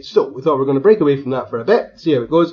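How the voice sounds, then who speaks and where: A man speaks with a Scottish accent. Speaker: podcast host. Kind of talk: casual chat.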